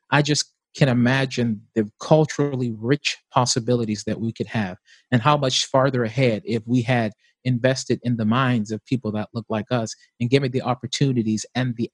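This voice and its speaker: A man's voice: mid-range voice, no echo. A man, an opera tenor, giving thoughtful, earnest interview answers.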